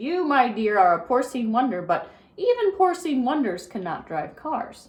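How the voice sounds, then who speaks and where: In a high, put-on character voice full of very wide swings in pitch, a woman talks at a moderate pace. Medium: read story. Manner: jovial, hearty.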